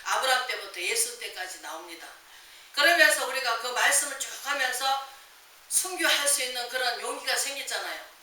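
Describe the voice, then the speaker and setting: A woman's voice: high-pitched, expressive, a little fast, pushed and bright. A woman pastor preaching a sermon, asking the congregation one rhetorical question after another. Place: church sanctuary. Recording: echoey church hall with hiss, mic at a distance.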